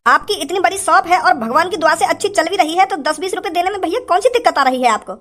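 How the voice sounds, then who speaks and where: A performer voicing a hungry young male beggar in a comedy skit, pleading and flattering. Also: very high voice, fast. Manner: whining, flattering pleas.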